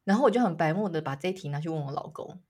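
A woman's voice: low-pitched, racing, breathy edge. A woman in her thirties with a Taiwanese Mandarin accent, co-hosting a casual podcast chat and acting out quoted lines as she tells stories. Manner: animated storytelling, acts out quotes, laughs often. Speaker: podcast co-host.

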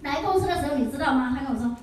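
A high-pitched woman gives a chatty sales seminar, laughing and firing questions at her audience. Her voice rings around a very echoey room. She sits far from the microphone, over a faint hum of ambience. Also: racing. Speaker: skincare sales consultant giving a seminar. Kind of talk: lively storytelling lecture.

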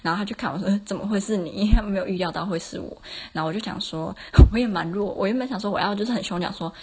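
A woman's voice: mid-range voice, very fast, darkish tone, husky. A woman, hosting a casual solo podcast and telling self-mocking stories with plenty of laughs. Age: 20s. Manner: chatty, self-mocking anecdotes with frequent laughs. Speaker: podcast host.

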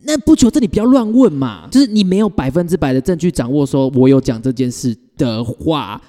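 A man with a mid-pitched, mellow voice that swings widely in pitch reacts bluntly, with mild swearing, to his co-host's story. His words ring with a long reverb. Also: animated, brisk. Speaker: podcast co-host. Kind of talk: casual chat.

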